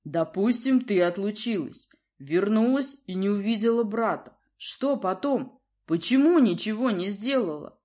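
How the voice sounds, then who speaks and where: A woman's voice: medium pitch, expressive, normal speed, close to an everyday voice. A woman voicing a roaring, imperious lion prince. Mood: angry. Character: stern domineering lion prince, a father.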